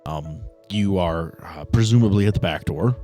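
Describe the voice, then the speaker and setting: A man's voice: low-pitched, normal speed, dark tone, soft background music. A man running a tabletop game, blunt and teasing, moving between casual chat and improvised narration. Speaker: game master.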